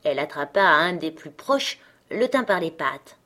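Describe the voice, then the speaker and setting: A woman reading a fairy tale aloud as narrator, in a calm, measured way. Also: deep voice. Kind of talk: storybook reading.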